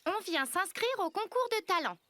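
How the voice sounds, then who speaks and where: Very high-voiced confident little girl. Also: very animated, moderate pace, pushed and bright, slight background noise, full character voice. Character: bright, confident little girl leading a show troupe. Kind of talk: French-dubbed children's cartoon acting. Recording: prominent music behind the voice.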